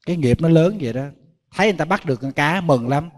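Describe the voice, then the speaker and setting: Brief monk, fairly high voice, sermon in a reverberant hall, storytelling style. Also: male voice, expressive, quick pace. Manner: storytelling, addresses listeners directly. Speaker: Buddhist monk.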